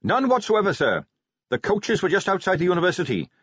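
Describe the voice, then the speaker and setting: A man's voice: high-pitched, huge pitch swings, brisk, a bit bright, husky, no echo, pitched above the performer's own voice, full character voice. A man voicing an earnest, polite young male watch captain who answers eagerly and respectfully in an audiobook reading. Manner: eager, respectful, keeps saying sir. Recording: dry, slightly dull lo-fi sound.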